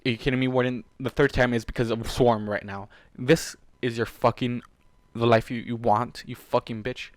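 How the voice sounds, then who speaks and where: A man's voice: medium pitch, flat delivery, moderate pace, hardly any pauses, no echo. A man reading fan fiction aloud and ranting about it in an exasperated, profane way, addressing the characters directly. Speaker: fan fiction reader and reactor. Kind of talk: reading a story aloud with angry ranting commentary.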